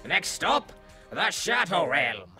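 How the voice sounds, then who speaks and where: A man's voice: sits high, sing-song, takes it slowly, creaky, sharp tone, slightly rough, soft background music, full character voice. A man voicing a crude, mocking male Christmas spirit with a psychotic streak in a fan audio drama. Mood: dismissive.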